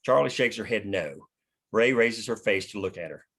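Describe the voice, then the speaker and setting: A man with a fairly low voice reads scene headings and action lines. His scripted narration is matter-of-fact, as at a screenplay table read. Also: lively intonation, normal speed, fairly bright tone, breathy edge. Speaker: stage-direction narrator.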